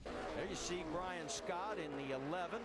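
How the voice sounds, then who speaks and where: Male race commentator, high and lively, set against clear trackside crowd sound. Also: moderate pace.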